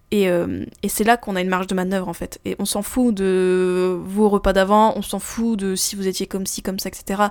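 A woman's medium-pitched, monotone voice with flat intonation, at a moderate pace with hardly any pauses, on a very clean recording with a silent background. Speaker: podcast host, intuitive eating coach. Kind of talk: casual solo podcast monologue. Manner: hesitant, many filler words.

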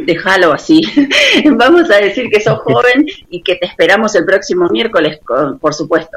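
The speaker has an Argentine accent, heard over noticeable background noise. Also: moderate pace. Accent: Argentine Spanish (Rioplatense). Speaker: radio host. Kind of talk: radio talk show. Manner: serious.

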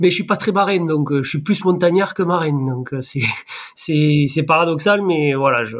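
The pace is fairly slow. It is an ordinary speaking voice with ordinary pitch variation. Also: man. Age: 40s. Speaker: amateur trail runner and public works manager. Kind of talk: interview storytelling.

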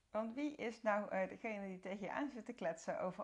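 A woman talks in a plain, everyday voice. Her pitch is medium. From Noord-Brabant, Netherlands. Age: 30s. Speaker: cookbook podcast host and food blogger. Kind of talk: casual solo podcast monologue. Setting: converted shed used as a small office. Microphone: recorded on phone with earbuds.

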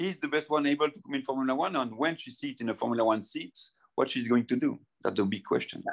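A man speaks with a French accent. His pace is very fast. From French-speaking Switzerland. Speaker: motorsport photographer. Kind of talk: interview. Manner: halting.

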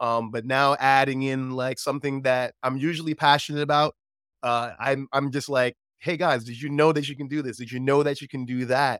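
Someone with an American accent speaks at a moderate pace in an energetic, animated tone. The recording is very clean, with a silent background and a dry, close sound with no echo. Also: man, medium pitch for a man. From New York. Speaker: teacher and edtech company guest. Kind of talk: casual interview chat. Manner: loud, excited.

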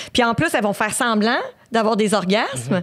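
A woman with a Quebec accent speaks at a moderate pace in a fairly high pitch. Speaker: podcast host and dating app founder. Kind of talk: casual chat.

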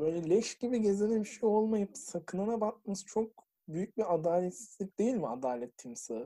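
Her tone is dark and mellow as a woman speaks at a moderate pace. The pitch is medium. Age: young. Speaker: podcast host. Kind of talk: casual chat.

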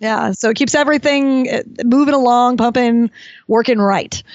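With an American accent, a woman talks at a moderate pace in a high pitch, with ordinary pitch variation. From California. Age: 40s. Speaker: interviewer, athlete. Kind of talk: interview.

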